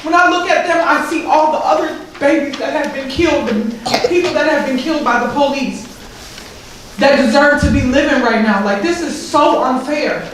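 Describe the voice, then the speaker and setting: Tearful woman speaking in a very echoey room. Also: high-pitched. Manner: impassioned, halting, repeats words. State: tearful, emotional. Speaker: grieving mother speaking at a press event. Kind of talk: emotional public speech. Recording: very echoey room, distant mic, faint noise.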